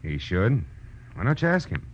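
An actor playing a wry, hard-boiled private detective in a 1940s radio drama, dry, laconic and unflappable. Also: male voice, fairly low pitch, sing-song, moderate pace, slight background noise. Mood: cool wisecracking. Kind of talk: 1940s radio acting, noir first-person narration and dialogue. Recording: dull old radio recording with music.

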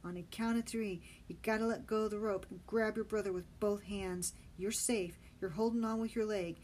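A gruff, battle-burned sailor man, barking orders over the chaos as a woman reads him in a storybook. He speaks in loud, pushed, urgent commands, raised well above a calm voice. A faint hiss sits under the recording. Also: mid-range voice, moderate pace, lightly acted. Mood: urgent commanding.

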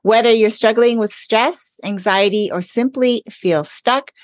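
A woman's voice: fairly high pitch, unhurried, no room sound. A woman hosting a podcast interview, speaking in an upbeat, welcoming way as a self-care coach.

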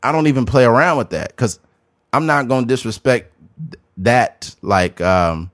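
A man's voice: medium pitch, normal speed, no echo, clean studio sound. A man co-hosting a podcast in casual chat, talking loosely and rambling with lots of filler words. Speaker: podcast co-host.

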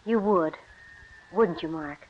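A woman's voice: on the low side, slow pace. An actress playing a spirited young woman teasing her sweetheart in a 1940s radio play. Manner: teasing and warm. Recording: muffled old radio recording.

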